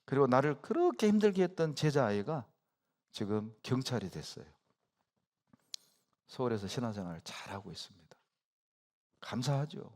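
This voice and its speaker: A middle-aged man preaching a sermon as pastor, telling stories with sudden loud bursts and hushed asides. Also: medium pitch, sing-song, moderate pace, pauses often. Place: church sanctuary.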